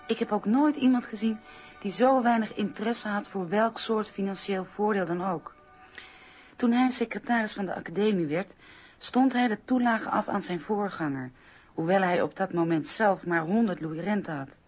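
A woman playing a loyal, admiring eighteenth-century friend, reading earnestly and in a measured way in a radio documentary drama. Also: medium pitch, darkish tone, lo-fi sound, faint music behind, natural voice. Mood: earnest admiration. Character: Amélie Suard, loyal admiring 18th-century female friend.

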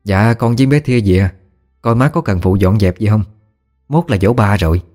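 A man with a Southern Vietnamese accent voicing a practical grown daughter who talks briskly and reassuringly. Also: fairly low pitch, darkish tone, faint music behind, close to an everyday voice. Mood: helpful.

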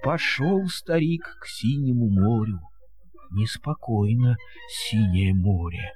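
A man's voice: lowish voice, lively intonation, slow pace, a little mellow, faint music behind. A man narrating a fairy tale in verse as a storyteller, with a theatrical, singsong delivery.

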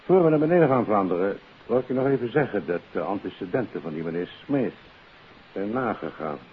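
An actor playing a confident, authoritative senior police chief in a 1950s Dutch radio play. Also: male voice, fairly low pitch, lively intonation, brisk, slightly rough. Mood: businesslike. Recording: tinny, hissy old radio recording.

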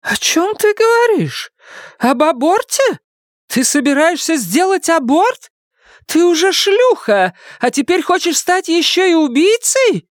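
A man voicing a furious, sarcastic middle-aged mother who screeches and yells. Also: very high-pitched, big pitch swings, unhurried, dry recording, clean studio sound, voice pushed up, heavily acted. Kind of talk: audiobook character reading.

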